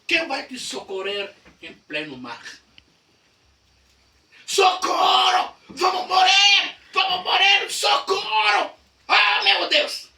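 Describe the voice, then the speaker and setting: A man acting out terrified disciples on a boat in a storm, crying for help in high, frantic shouts. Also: wildly swooping pitch, a little slow, full character voice. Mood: panicked. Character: panicking male disciples in a storm-tossed boat. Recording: echoey room heard from a distance.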